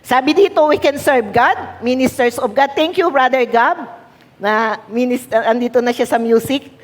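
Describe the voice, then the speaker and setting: Preaching a sermon in a church hall, a woman pastor with a Filipino accent switches between Tagalog and English, repeating key words for emphasis and asking the congregation to respond. Her voice is on the high side at a moderate pace, and the hall adds a long reverb.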